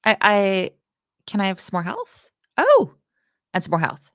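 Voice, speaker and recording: A woman's voice: medium pitch, huge pitch swings, a little slow, dry recording, clean studio sound. A woman from the UK, teaching a casual coding lesson in a playful, chatty, self-deprecating way.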